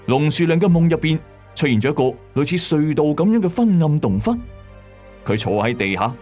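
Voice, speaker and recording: A man's voice: mid-range voice, darkish tone. A man with a Hong Kong Cantonese accent narrating a scripted story in a dramatic, suspenseful way with colloquial asides. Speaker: narrator and host of a late-night mystery story channel. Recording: voice over background music. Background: music bed.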